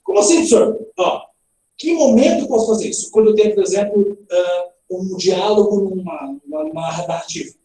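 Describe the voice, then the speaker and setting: A man teaching a recorded grammar lesson in a lively, playful way, quizzing his students with questions. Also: high voice, moderate pace. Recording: roomy echo, heard from a distance.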